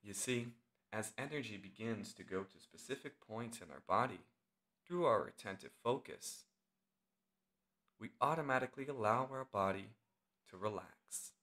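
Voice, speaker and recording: A man leading a guided meditation as the instructor, speaking in short, deliberate phrases with long pauses. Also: on the low side, bright, forceful tone.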